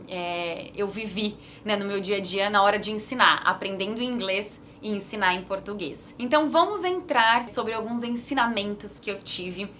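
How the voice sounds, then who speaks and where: A woman's voice: mid-range voice, pushed and bright, slight background noise. A Brazilian woman in her thirties talking casually to camera about her work, chatty and earnest with frequent fillers. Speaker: vlogger and digital business mentor.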